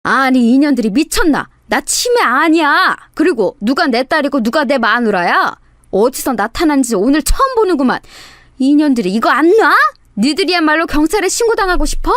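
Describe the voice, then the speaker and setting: A woman voicing a rude elderly male con man who shouts gruffly and indignantly. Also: high voice, big pitch swings, moderate pace, dry recording, studio quality, pitched above the performer's own voice. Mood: furious.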